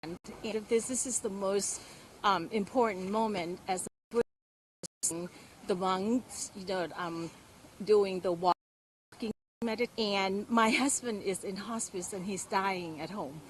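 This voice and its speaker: A woman answers questions outdoors in the cold, in a middle-pitched voice. She speaks earnestly and haltingly, pausing often and reaching for words. There is a faint outdoor hiss behind her. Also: poor audio. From Thailand. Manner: earnest and halting, with many pauses and fillers. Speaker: interviewee. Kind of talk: street interview.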